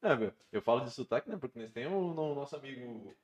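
A man's voice: medium pitch, expressive, quick pace. A man from Brazil hosting a podcast, asking easygoing questions and laughing along with his guest. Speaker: podcast host. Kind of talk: casual chat. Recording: roomy studio sound.

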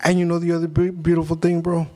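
A man's voice: a little high, completely flat delivery, fast, warm tone. A man in his thirties, a podcast guest, telling blunt, profane stories in casual chat. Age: 30s.

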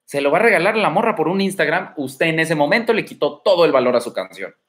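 A man's voice: a little high, sing-song, fast talker, a bit bright. Blunt, swaggering Mexican man. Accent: Mexican Spanish. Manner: blunt, crude and swaggering, lots of slang and rhetorical questions. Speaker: dating advice livestream host. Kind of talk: casual livestream advice talk. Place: indoor room at home. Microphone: streaming from home.

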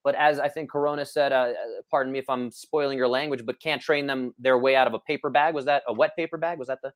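A man's voice: medium pitch, fairly even intonation, quick pace. A man, a personal trainer, chatting energetically on an online call, with many restarts. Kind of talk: casual podcast chat.

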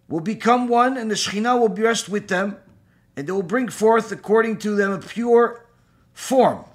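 In this recorded lecture, the Torah teacher's voice is high, bright and a little husky. He peppers his talk with rhetorical questions, his pitch rising and falling sharply, and he keeps halting on "uh" and "you know."

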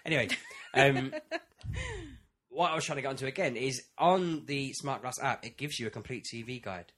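Man, medium pitch, casual podcast chat, animated storyteller, acts out quotes. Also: moderate pace, a little hiss or hum. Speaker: podcast co-host.

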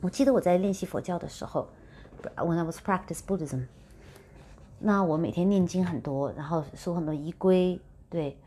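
A woman telling a personal story in a relaxed, chatty monologue and slipping English words in as she talks. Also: lowish voice, moderate pace, husky. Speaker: vlogger sharing spiritual practice.

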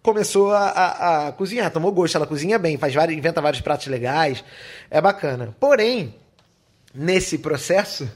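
A man's voice: a little high, expressive, moderate pace. Laid-back man teasing his partner. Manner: laid-back, says "cara" a lot, teasing. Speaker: podcast co-host. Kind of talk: casual couple chat.

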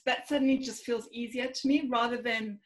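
A woman's voice: a little high, steady tone, brisk. A woman talking through her fears with a coach, thinking aloud with fillers and hesitations. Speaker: coaching client. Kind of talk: reflective conversation.

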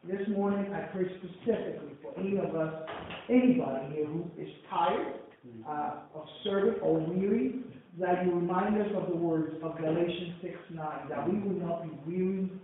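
A Nigerian-accented pastor prays and reads scripture to his congregation, raising his voice fervently for the words of God. His voice sits high for a man. It is heard from far off in a big echoing hall, through a thin, phone-like band. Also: normal speed, slight background noise. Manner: fervent, booming when reading God's words. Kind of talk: prayer and scripture reading in a sermon. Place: large church hall.

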